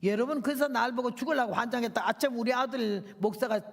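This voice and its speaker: Older woman, missionary preacher, fiery rambling sermon, gravelly, echoing church hall. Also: a little high, quick pace. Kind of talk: revival sermon. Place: church sanctuary. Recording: long church hall reverb.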